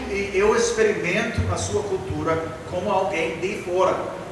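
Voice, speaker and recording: Noticeable background noise and audible room echo surround a man who speaks at a very slow pace. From Canada. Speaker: missionary preacher. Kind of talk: lecture. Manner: hesitant, many fillers.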